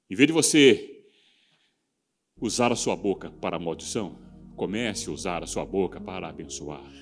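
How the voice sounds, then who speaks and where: A man with a Brazilian Portuguese accent preaching a live church sermon, moving from loud, fervent exhortation to hushed, earnest passages. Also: lowish voice. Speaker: pastor. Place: church service.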